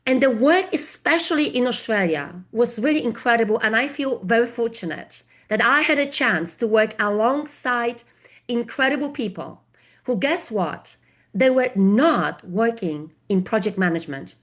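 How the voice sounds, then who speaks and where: A woman's voice: fairly high pitch, animated, moderate pace, fairly bright tone. A middle-aged woman from Poland with a Polish accent, hosting a live webinar and talking directly to the viewers typing in the chat. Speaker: webinar host and project consultant.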